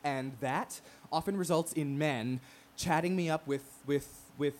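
An actor playing a brash, wounded, proud gay radio talk show host in an emphatic, profane, theatrical monologue. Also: male voice, fairly high pitch, unhurried, close to an everyday voice. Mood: wry, rambling.

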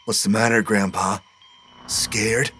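A man's voice: on the low side, fairly even intonation, takes it slowly, sharp tone, a little hiss or hum, pitched above the performer's own voice. A man voicing a cold, scornful boy who leads a gang, mocking in a raised voice.

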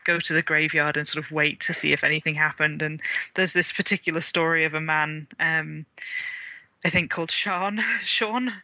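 A man from Wales chats with a very bright, somewhat high voice. He hedges and restarts often, laughing lightly between thoughts. The sound is dry and dull, like a lo-fi video call. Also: steady tone, moderate pace, no echo. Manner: hesitant, many fillers and restarts, laughs often. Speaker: author and illustrator guest. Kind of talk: casual interview chat.

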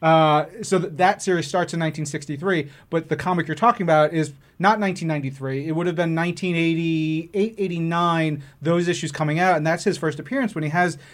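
A man's voice: on the high side, brisk, hardly any pauses. A man co-hosting a casual interview, talking like an eager, opinionated comics expert who jumps in readily. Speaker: co-host, comics professional. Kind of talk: casual fan conversation.

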